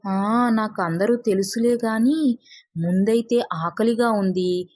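A woman voicing a gentle old beggar granny who addresses people softly in a storybook tale. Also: mid-range voice, steady tone, takes it slowly. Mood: pleading.

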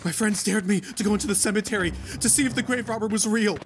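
A woman's voice: mid-range voice, fast, lightly acted. A woman playing a small, timid, frightened young squirrel in an audio drama, with an anxious, pleading manner. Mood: nervous.

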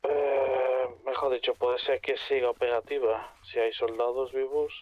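A man's voice: medium pitch, level tone, unhurried. A man talking casually to fellow players in an online role-play game over radio-like voice chat. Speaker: gamer role-playing in an online survival game. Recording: dull, lo-fi voice chat.

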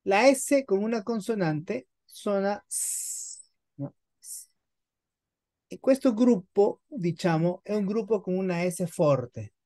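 Slow, patient woman teaching Italian. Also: medium pitch, expressive, mellow. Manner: slow, patient, repeats and models words. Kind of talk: online language lesson.

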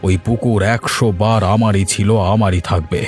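A man's voice: lowish voice, fairly even intonation, moderate pace, close to an everyday voice. A man voicing a domineering middle-aged village headman, commanding and threatening, for a cartoon. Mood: stern. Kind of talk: cartoon voice acting. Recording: faint music behind.

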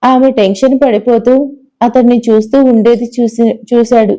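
Mellow-voiced woman narrating a story. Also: on the high side, normal speed, poor audio. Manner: expressive, dramatic storytelling. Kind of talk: scripted narration.

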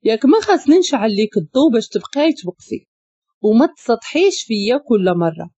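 A woman's voice: on the high side, very animated, brisk, mellow, slightly rough, no echo, dull audio. A woman with a Moroccan accent voicing a brusque but caring young man in a spoken story. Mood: teasing.

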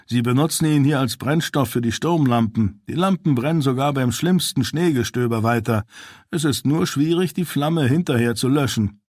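A man's voice: mid-range voice, moderate pace, darkish tone, dry recording, studio quality, close to an everyday voice. A man doing a caring army officer. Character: caring male officer, friend of the prisoner. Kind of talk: audiobook character voice.

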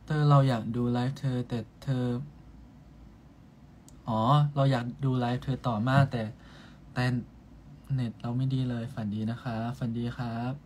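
A man's voice: medium pitch, steady tone, measured pace, long pauses, darkish tone, a little hiss or hum. A young man casually chatting on a live stream, reading viewer comments aloud and bantering playfully with them.

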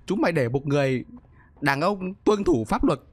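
A man streaming a horror game, joking around and bursting into panicked yelling. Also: fairly high pitch, lively intonation, moderate pace, slightly rough, no echo. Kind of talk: live gameplay commentary.

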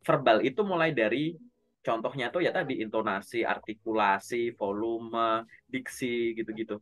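A man coaching a learner on job interviews in a relaxed, conversational way, speaking straight to them. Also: mid-range voice, moderate pace. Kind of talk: casual online coaching session.

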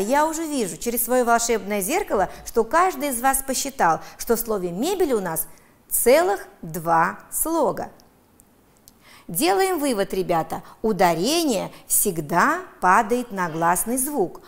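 A woman with an Uzbek accent teaches first graders on television, her voice a little high and swinging widely up and down. She speaks slowly and in a sing-song way, stretching words out so that small children can follow along. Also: very animated. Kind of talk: televised lesson for young children.

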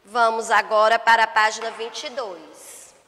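A Brazilian woman teaching young children, her voice high and bright as she stretches out each word slowly and patiently. The recording carries a long reverb, like a bare room. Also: flat delivery. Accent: Brazilian Portuguese. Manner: patient, drawn-out words, spelling sounds slowly for children. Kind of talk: remote lesson for first graders.

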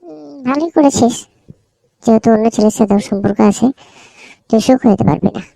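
A woman's voice: on the high side, a little fast, creaky, dark tone, no room sound, rough recording. A woman voicing a teasing, bossy but caring cartoon friend in a casual, familiar, nudging way. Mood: concerned. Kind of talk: cartoon dialogue.

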